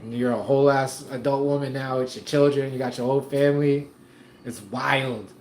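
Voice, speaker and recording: A man hosts a casual livestream from a room at home, reading out viewer comments in a laid-back, slangy manner and chuckling often. His mid-range voice has a darkish tone, fairly even intonation and a normal pace. The streaming mic picks up an echoey room and faint noise.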